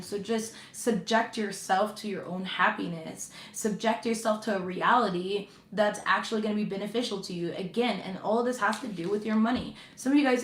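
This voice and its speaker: A woman's voice: mid-range voice, slight background noise. Chatty woman tarot reader, echoey room. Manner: chatty, reassuring, many fillers and "okay?". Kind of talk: casual tarot reading to viewers.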